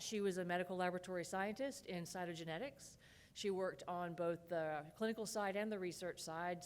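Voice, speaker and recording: A woman's voice: fairly low pitch, smooth. Woman introducing a speaker in a hall. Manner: warm, brisk, occasional self-corrections. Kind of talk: formal introduction. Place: lecture hall. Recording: reverberant lecture hall.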